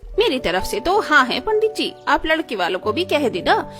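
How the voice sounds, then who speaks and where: A woman voicing a cunning, pushy middle-aged stepmother in an animated story, speaking in a brisk, bossy way. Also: sits high, soft background music. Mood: sly.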